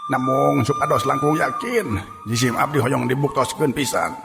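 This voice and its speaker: A man's voice: mid-range voice, lively intonation, normal speed, vocal fry, pitched above the performer's own voice. A man voicing a humble male warrior leader who patiently pleads his innocence, recorded with long reverb and background music. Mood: pleading.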